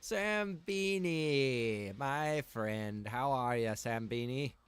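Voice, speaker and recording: A man's voice: medium pitch, lively intonation, drawn-out words, clean tone, soft background music. A man talking casually and easily to viewers as he hosts a live gameplay stream, chatty and direct. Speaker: game streamer and server admin.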